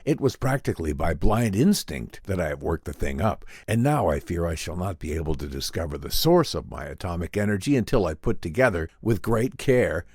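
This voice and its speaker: Man playing an earnest, deep-voiced learned professor. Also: a little mellow, husky, no room sound, clean studio sound, full character voice. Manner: formal, explanatory, deliberate. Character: earnest, learned male professor and inventor, grave and measured. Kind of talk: dramatic audiobook reading in old-time radio drama manner.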